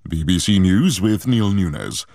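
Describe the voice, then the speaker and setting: A man reading a radio news bulletin in a measured, formal way. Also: low voice, lively intonation, vocal fry, darkish tone, soft background music. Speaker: newsreader.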